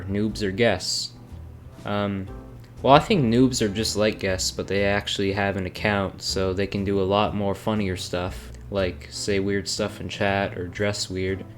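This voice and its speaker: A young man who sounds bored and flat, narrating a casual Q&A video as a YouTuber. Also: fairly low pitch. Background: background music.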